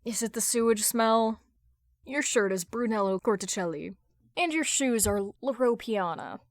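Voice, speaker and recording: A woman voicing a sharp, judgmental businesswoman with a blunt, sarcastic, deadpan delivery in an audio fan-fiction drama. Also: fairly high pitch, moderate pace, dry recording, clean studio sound, natural voice. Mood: scornful.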